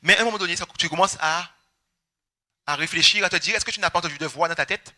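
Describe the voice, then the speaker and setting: Bright-voiced young preacher telling his story. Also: high voice, fast. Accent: Guadeloupean French. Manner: animated storytelling, acting out family members. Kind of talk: testimony sermon.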